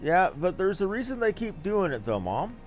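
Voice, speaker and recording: A man's voice: high voice, sing-song, normal speed, faint music behind. A man giving casual live game commentary as a streamer, rambling and blunt with some mild swearing. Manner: rambling, blunt, mildly profane.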